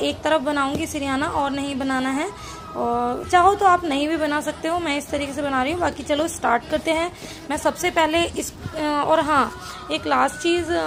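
Over faint music in the background, a woman talks at a fairly slow pace in a high-pitched voice. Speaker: home craft vlogger. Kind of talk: tutorial. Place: home room. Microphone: phone near.

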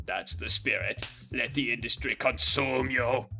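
A man does a cartoonish character voice at a medium pitch and moderate pace, with music playing in the background. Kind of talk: scripted cartoon dialogue. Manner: curt, grandiose, deadpan pronouncements.

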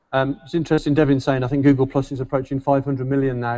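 A man speaks with a Birmingham accent and a monotone, flat intonation. The background is quiet. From West Midlands, England. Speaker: police officer; keynote presenter. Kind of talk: keynote presentation. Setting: stage with audience. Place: hall. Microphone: podium.

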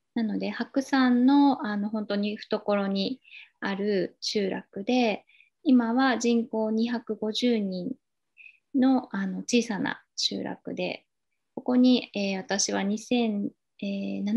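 A woman's fairly high, somewhat breathy voice holds a fairly even intonation at a very slow pace. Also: quiet background. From Gifu city, Japan. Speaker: clothing shop owner; interviewee. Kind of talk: casual interview. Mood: warm, thoughtful. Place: home room. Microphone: video call.

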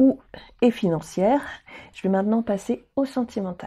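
Dark and mellow in tone, a woman's voice moves at a fairly slow pace. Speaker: tarot reader. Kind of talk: tarot reading video. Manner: hesitant with fillers.

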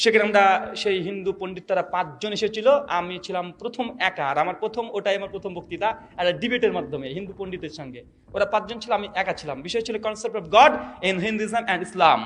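Ordinary pitch variation in a man's high voice. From India, Murshidabad, West Bengal. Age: 30s. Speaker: Islamic preacher and debater. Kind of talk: religious talk to audience.

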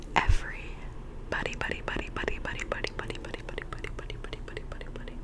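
A woman whispers. She speaks at a very fast pace. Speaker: ASMR creator. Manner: repeated soft ASMR trigger words. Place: home room. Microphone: studio mic.

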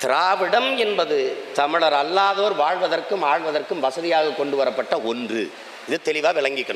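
A man speaks against light background noise, with audible echo in the room. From Tamil Nadu, India. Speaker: politician. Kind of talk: political speech. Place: stage. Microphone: podium.

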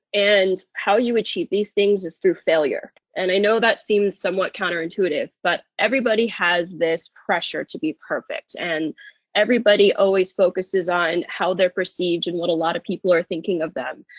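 With an American accent, a woman speaks at a moderate pace and with ordinary pitch variation. The sound is dry with no echo, and the background is quiet. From Pennsylvania, US Northeast. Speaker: entrepreneur, health tech founder; webinar panelist. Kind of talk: webinar panel discussion. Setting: online webinar. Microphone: video call.

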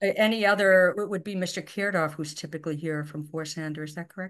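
A woman talks at a fast pace with a fairly low pitch. Her tone is fairly bright, with little pitch movement.

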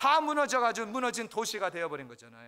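An animated, raised and projected voice at a fairly quick pace, bright and sharp in tone, with ordinary pitch variation over a quiet background. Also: man. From born in Korea, raised in the US. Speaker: pastor. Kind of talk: sermon. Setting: church. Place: church. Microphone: podium.

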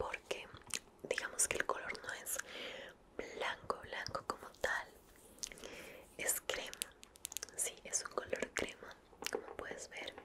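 Whispering at a very slow pace, a woman comes through noticeable background noise. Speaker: ASMR creator. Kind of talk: ASMR roleplay as a sneaker shop assistant. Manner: soft-spoken, whispered, relaxing.

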